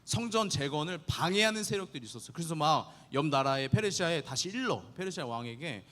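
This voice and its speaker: A young man delivers an earnest sermon to a youth congregation, his voice sitting a little high and swinging widely in pitch. He keeps the tone animated and draws listeners in with rhetorical questions. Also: quick pace, in a large hall. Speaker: youth pastor.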